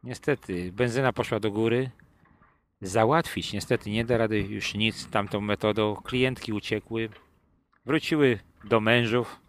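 A man's voice: lowish voice, fairly even intonation, a little slow. A man telling long, crude, colloquial stories in a casual podcast chat, with joking asides. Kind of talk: casual anecdotal storytelling.

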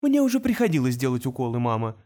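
A woman reading the part of a cold, brilliant teenage boy in an audiobook, speaking in a calm, measured way. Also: rumbling low. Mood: tense.

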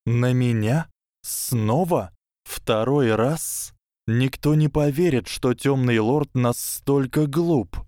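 A man voicing a guarded, clever young boy who speaks in a measured, questioning way in an audiobook. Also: medium pitch, warm tone, dry recording, clean studio sound, pitched above the performer's own voice, close to an everyday voice. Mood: wary. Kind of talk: audiobook character voice.

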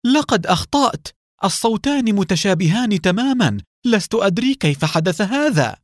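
A proud young woman sound expert on a small team, read by a man. Her lines swing up and down with lively pitch. The recording is dry and close. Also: fairly quick, no room sound. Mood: panicked.

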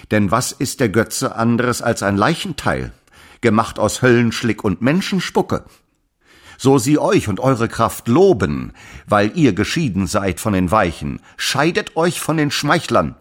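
An actor playing Paulus, a fervent early Christian apostle, delivering solemn, exhorting letters in archaic scriptural language for a radio drama. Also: male voice, mid-range voice, no room sound, clean studio sound. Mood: stern exhorting. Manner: declamatory, grave, exhorting.

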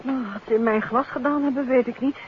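An actress playing a detective's refined, frank and dryly witty wife in a 1950s radio drama. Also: female voice, high voice, steady tone, fast, lightly acted. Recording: very noisy, dull old radio, crowd behind.

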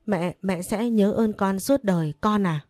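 A woman's voice: medium pitch, unhurried, a little mellow, no echo, clean studio sound, natural voice. A woman voicing a desperate older mother who pleads tearfully in a story. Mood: pleading. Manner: begging, sobbing pleas.

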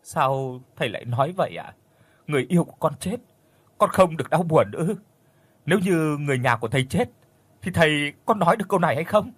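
A man's voice: medium pitch, lively intonation, a little fast, husky, dry recording. A man voicing a grieving young woman who pleads tearfully and turns defiant, in a spoken ghost story. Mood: pleading, upset.

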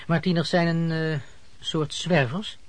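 An actor playing a polite, curious interviewer in a radio play, putting slightly hesitant questions. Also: male voice, a little high, fairly even intonation, unhurried, close to an everyday voice. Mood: politely curious.

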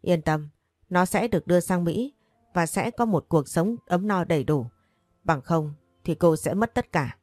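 A woman's voice: on the low side, animated, a little slow, darkish tone, no room sound, faint music behind. A woman voicing a domineering wealthy grandmother in a storybook, speaking in a demanding, imperious way.

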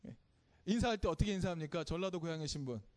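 High-voiced man telling a children's sermon. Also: rapid-fire. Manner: keeps asking the congregation questions; friendly, simple storytelling. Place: church service.

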